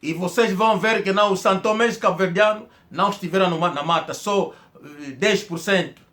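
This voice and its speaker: Man, high-pitched, fiery accusatory monologue with stumbling repeats. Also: fairly quick, a bit bright. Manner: emphatic, accusatory, repeats words when stumbling. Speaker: political commentator. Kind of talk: impassioned political monologue.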